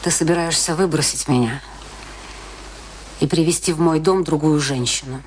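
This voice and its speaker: A woman's voice: low-pitched, moderate pace, slight background noise, lightly acted. An actress playing a bitter, defiant middle-aged wife in a radio play, answering her husband with terse, dry retorts. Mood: accusing.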